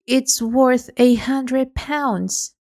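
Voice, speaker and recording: A woman's voice: sits high, drawn-out words, a little mellow, full character voice. A woman doing a polite, curious young girl.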